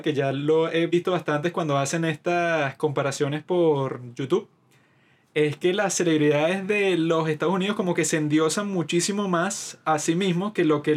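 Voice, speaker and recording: A man's voice: fairly high pitch, unhurried. A man with a Venezuelan accent chatting casually as a podcast co-host, talkative, slangy and opinionated. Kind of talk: casual chat.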